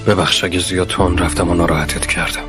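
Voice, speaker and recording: A man's voice: sits low, flat delivery, lightly acted. An actor dubbing a troubled young husband torn between his family and his wife. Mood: soft. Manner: pleading, frustrated, later hushed. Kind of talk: Persian drama dubbing. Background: music score.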